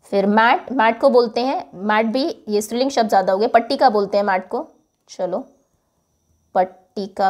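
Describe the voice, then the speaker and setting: This woman teacher's voice is medium in pitch with a darkish tone. In her classroom lesson she patiently repeats each word and explains its meaning, mixing in English words as she goes.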